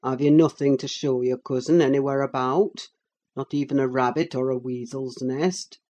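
A woman voicing a bitter, scornful middle-aged landowner in an audiobook, speaking in a gruff, contemptuous way. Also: rumbling low, steady tone, normal speed, dark tone. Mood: commanding. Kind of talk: audiobook character voice.

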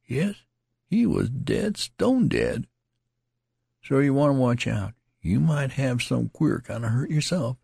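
A man's voice: mid-range voice, animated, slow pace, creaky, darkish tone, breathy edge, no room sound, studio quality, voice pushed up, exaggerated voice. A man voicing a dazed, wounded male soldier who rambles in a slurred, folksy country dialect. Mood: rambling. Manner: pleading, repetitive, plaintive.

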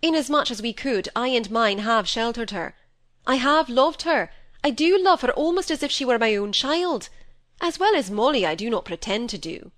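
A woman voicing a stern middle-aged male doctor and father, speaking in a measured, reproving way. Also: on the high side, animated, a bit bright, pitched above the performer's own voice.

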